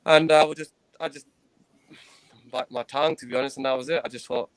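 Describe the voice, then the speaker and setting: A man in his thirties, a guest in an interview, recounting his own experiences in an earnest, hesitant way, pausing and restarting often. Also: mid-range voice, fairly even intonation, clean tone, no echo. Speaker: guest, former professional cricketer.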